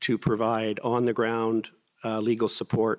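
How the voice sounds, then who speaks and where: A man with a Canadian accent speaks at a medium pitch, the sound dry and close with no echo. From Ontario, Canada. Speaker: lawyer, inquiry witness. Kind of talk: sworn testimony. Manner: formal.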